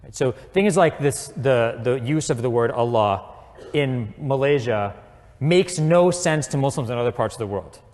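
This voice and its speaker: A man speaking as a guest at a public talk, answering an audience question in a measured, thoughtful way with many fillers and restarts. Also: mid-range voice, lively intonation, darkish tone. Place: lecture hall. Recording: long hall reverb.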